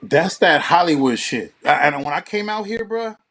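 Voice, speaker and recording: Speaking at normal speed with a slightly high, bright voice and lively intonation, the American co-host keeps things informal and profane. He fills his slangy podcast talk with tag phrases that check in with listeners.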